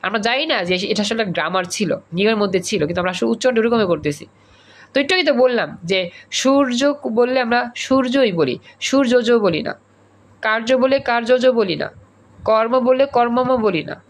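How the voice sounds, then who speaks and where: A man's voice: high-pitched, expressive, fast. A male teacher, teaching an online class over a video call and drilling students with repeated questions and examples. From Bangladesh.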